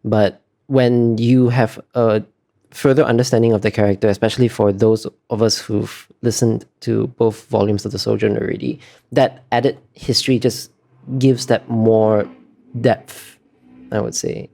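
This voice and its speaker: A man's voice: lowish voice, flat delivery, unhurried, gravelly, warm tone. A man giving earnest, hesitant interview answers as an illustrator, often searching for his words.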